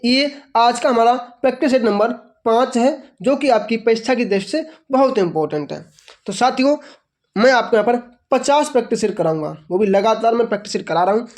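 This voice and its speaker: A man's voice: very high-pitched, darkish tone. A man teaching an exam-prep lesson, asking the class questions, answering them himself and repeating each answer. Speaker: online teacher.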